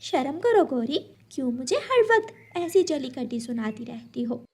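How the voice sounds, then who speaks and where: Woman doing a proud cartoon sparrow mom, high voice, determined. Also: sing-song, unhurried, dark tone, husky, full character voice. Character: brave little sparrow, Rano, mother.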